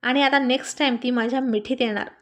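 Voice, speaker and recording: A woman's voice: sits high, steady tone, quick pace, a bit bright. A woman reading the lines of a smug, scheming young male prankster. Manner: smug, sly.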